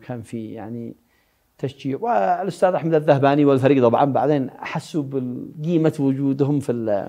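Dark, mellow tone with ordinary pitch variation over a quiet background. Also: man. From Yemen. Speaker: engineer and inventor; interview guest. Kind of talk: interview. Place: home room. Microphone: lapel.

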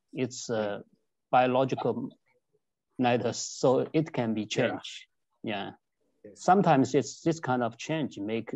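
A man's medium-pitched voice at a fairly slow pace, with ordinary pitch variation, long, frequent pauses and big swings in loudness, in a dry sound with no echo against a quiet background. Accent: Chinese. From China. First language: Chinese. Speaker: neurosurgeon; webinar lecturer answering questions. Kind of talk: panel discussion. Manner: halting. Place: home room. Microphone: earbuds.

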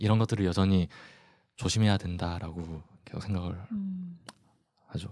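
A man speaks at a fairly slow pace with a fairly low pitch and a dark, mellow tone, leaving long, frequent pauses. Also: fairly even intonation. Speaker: webtoon artist. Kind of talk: interview chat. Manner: soft-spoken, calm.

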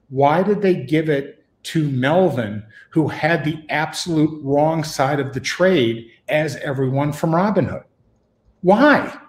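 At a very slow pace, a man talks in a fairly high pitch with ordinary pitch variation and audible room echo. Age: 60s. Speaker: veteran stock trader. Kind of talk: interview. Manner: animated. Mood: indignant, emphatic. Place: home room.

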